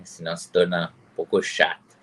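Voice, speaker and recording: A man from Tuscany in Italy talks with an Italian accent in a language that is not his first. His voice is low, and he speaks casually as a guest on an online interview. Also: completely flat delivery, normal speed, a bit bright. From Pisa, Tuscany, Italy.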